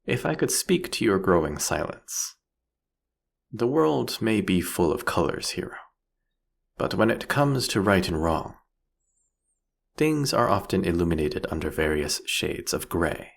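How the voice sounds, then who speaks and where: A man playing a seductive, mocking vampire king in a fantasy audio roleplay, with theatrical, teasing, eloquent delivery and a husky, gravelly voice. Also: low-pitched, big pitch swings, unhurried, heavily acted. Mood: wry, musing.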